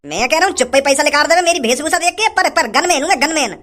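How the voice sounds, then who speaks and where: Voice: high voice, animated, quick pace, a bit bright. A performer doing a blustering gun-toting goon. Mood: threatening. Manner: threatening, bragging. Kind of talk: comedy skit voicing.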